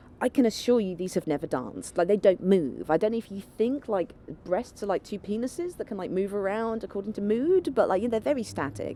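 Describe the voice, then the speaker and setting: A woman with a British accent at a very fast pace. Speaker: journalist and author being interviewed. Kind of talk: interview answer. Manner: fast, animated, humorous.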